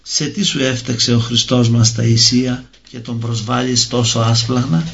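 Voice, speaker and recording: A man's voice: medium pitch, steady tone, vocal fry, fairly bright tone, a little hiss or hum. A man voicing a sorrowful, pleading old male desert hermit in a read-aloud religious story. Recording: dull lo-fi recording.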